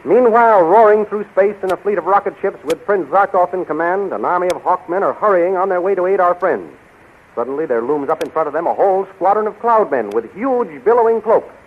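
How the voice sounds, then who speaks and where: A man's voice: high voice, expressive, fairly quick, narrow, tinny audio. A man narrating a 1930s radio adventure serial in an urgent, declamatory style. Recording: scratchy, thin 1930s radio recording.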